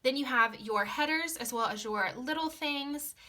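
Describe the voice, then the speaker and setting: A young woman chatting casually through a planner sticker haul, gushing and repeating words, her voice slightly hoarse from being sick. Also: sits high, moderate pace, sharp tone. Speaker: planner vlogger.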